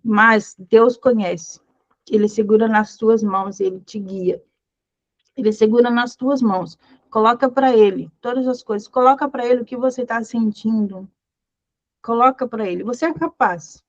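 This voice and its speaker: A fairly high-voiced woman leads a Bible study and encourages her listeners, repeating short phrases and reading verses aloud. The sound is dry and slightly dull. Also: normal speed, no echo. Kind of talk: devotional teaching.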